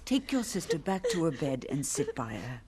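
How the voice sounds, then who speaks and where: A woman's voice: deep voice, big pitch swings, normal speed, a crowd in the background. Fretful gypsy mother, swooping voice. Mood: soothing. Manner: fretful, faltering, soothing. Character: frightened, tender gypsy mother.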